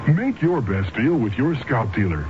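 A man's voice: medium pitch, very animated, moderate pace, darkish tone. A man announcing a scripted radio advertisement. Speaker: commercial announcer. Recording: muffled radio recording, faint noise.

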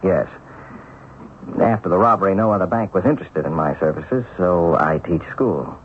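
A man acts out an earnest, hesitant schoolteacher husband in a seventies radio play. His voice sits low and halts as he searches for words. The broadcast recording is dull, with faint hiss. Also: close to an everyday voice. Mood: hesitant, recounting. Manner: hesitant, halting. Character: earnest ex-bank teller turned schoolteacher husband, hesitant, puzzled. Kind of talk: 1970s radio drama acting.

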